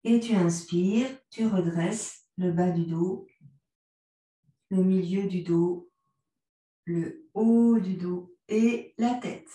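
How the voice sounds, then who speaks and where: A woman with a French accent leads a yoga class in a slow, soothing way. Her voice is mellow and her cues are gentle. She sounds far from the mic in a very echoey room. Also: fairly low pitch. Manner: calm, gentle cues, mixes vous and tu. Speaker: yoga instructor. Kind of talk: guided yoga class instruction.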